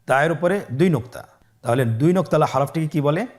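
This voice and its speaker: A man's voice: on the high side, a little fast, darkish tone. Bangladeshi guy teaching quran letters, patient, says each one and waits for you to repeat. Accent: Bangladeshi Bengali. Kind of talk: step-by-step Arabic letter lesson.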